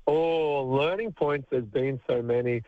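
A man's voice: medium pitch, unhurried, dry recording. A man in his thirties from country New South Wales with an Australian accent, a retired basketball player telling stories with a laugh as a radio guest. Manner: chatty storyteller, laughs often. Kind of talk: radio phone interview. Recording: tinny phone line, dry.

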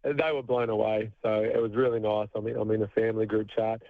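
A man's voice: fairly low pitch, level tone, quick pace, no room sound. A man in his thirties from country New South Wales with an Australian accent, a retired basketball player telling stories with a laugh as a radio guest. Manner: chatty storyteller, laughs often. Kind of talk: radio phone interview. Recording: tinny phone line, dry.

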